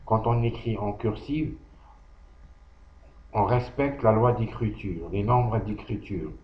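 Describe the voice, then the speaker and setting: Slow, deliberate male teacher. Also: lowish voice. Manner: slow, deliberate, thinking aloud with pauses. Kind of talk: slow worksheet walkthrough. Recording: echoey room, dull lo-fi audio.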